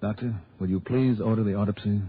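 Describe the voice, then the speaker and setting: Vintage radio drama: a wry, clipped investigator questions a suspect in a lowish voice, as an actor plays him. He narrates in the first person. The sound is thin and tinny, like an old broadcast. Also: steady tone, quick pace, very noisy, natural voice. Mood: probing. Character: tough, dry-witted male insurance investigator. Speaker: narrator and lead. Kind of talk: 1960s radio drama acting.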